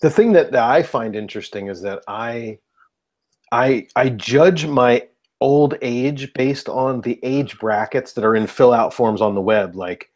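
A man's voice: mid-range voice, measured pace. A man in his mid-forties co-hosting a podcast, rambling casually with stammered restarts. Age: 40s. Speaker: podcast co-host. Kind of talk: casual chat.

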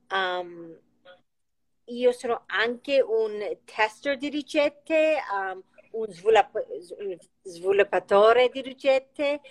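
A woman who grew up in the United States, speaking halting Italian with an American English accent as an interview guest, searching for words and slipping into English. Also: mid-range voice, a bit bright, rough recording. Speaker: guest, chef and cookbook author.

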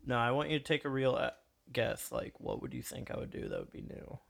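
Young man, podcast guest, gravelly voice, halting, lots of ums. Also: medium pitch, wildly swooping pitch. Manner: hesitant, many ums and uhs. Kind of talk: casual podcast banter.

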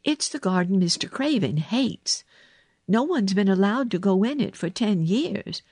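A woman's voice: on the high side, very animated, measured pace, darkish tone, husky, no echo, studio quality, voice pushed up, full character voice. A woman voicing an earnest, bold ten-year-old girl with an eager, direct manner, in a storybook reading. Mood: confiding, nervous. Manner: eager, direct, sometimes anxious.

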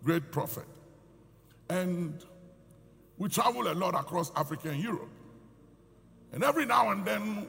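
A male preacher delivers an emphatic sermon in a gravelly, bright voice that sits a little high. His words ring out in a big hall with a long reverb.

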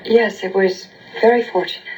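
A woman's voice: mid-range voice, steady tone, moderate pace, darkish tone, muffled recording, natural voice. An actress playing a poised young female navy yeoman, speaking in a polite, composed 1970s TV drama style. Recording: echoey old TV soundtrack with noise.

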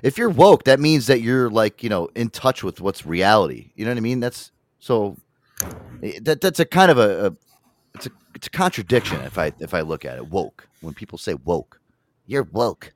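A man's voice: on the low side, sing-song, normal speed, dry recording, clean studio sound. A man in his thirties hosting a casual podcast chat over a video call, rambling, swearing and laughing often. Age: 30s. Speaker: podcast host.

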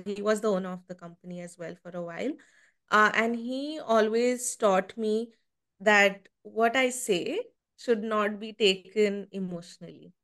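A woman in her twenties, a podcast guest, telling stories in casual conversation and acting out what people said. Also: mid-range voice. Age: 20s. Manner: animated storytelling, acts out quotes. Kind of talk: casual interview chat.

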